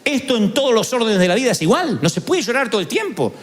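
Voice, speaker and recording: A male pastor delivers a sermon as animated, humorous storytelling. His voice sits high for a man and swings widely in pitch. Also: quick pace.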